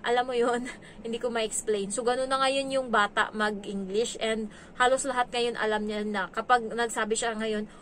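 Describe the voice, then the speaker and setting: A woman from the Philippines chats through stories from her work as a domestic helper, acting out what others said along the way. Her voice sits a little high, with a faint hum of noise behind it. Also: fairly even intonation, moderate pace, a bit bright. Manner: chatty, acts out quoted dialogue. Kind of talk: casual storytelling vlog.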